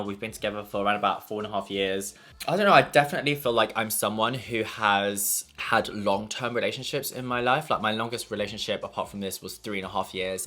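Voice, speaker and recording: Young guy gossiping while he eats, bright lowish voice, says like a lot. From London. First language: Portuguese. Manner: chatty, gossipy, lots of "like". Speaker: makeup artist vlogger. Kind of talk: casual mukbang chat.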